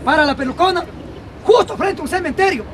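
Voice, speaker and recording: A man telling crude jokes in the street, often checking in with the crowd. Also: very high voice. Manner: rapid, crude, asks crowd for approval. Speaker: street comedian. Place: outdoor street. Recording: loud outdoor street crowd and traffic.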